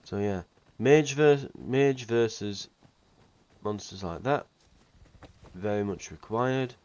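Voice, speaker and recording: A man's voice: fairly low pitch, takes it slowly, darkish tone, clear, resonant tone, no room sound, lo-fi sound. A man with a slightly nasal voice from a cold, giving casual, rambling commentary while playing a video game. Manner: chatty, rambling, with fillers. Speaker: let's play host.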